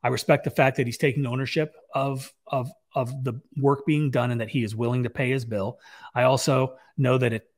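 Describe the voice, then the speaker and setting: A raspy-voiced man in his forties talks straight to camera into a big boom-arm podcast mic in his home office. He rambles casually, restarting sentences and dropping fillers as he tells his story. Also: steady tone, fairly quick. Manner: conversational, many fillers and restarts, gestures while talking. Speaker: business owner vlogger. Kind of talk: casual talking-head storytelling. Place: home office with shelves, indoors. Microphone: large podcast mic on boom arm.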